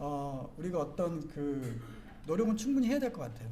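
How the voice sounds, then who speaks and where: A man's voice with very wide pitch swings, audible room echo around it. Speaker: pastor. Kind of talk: sermon follow-up Q&A answer.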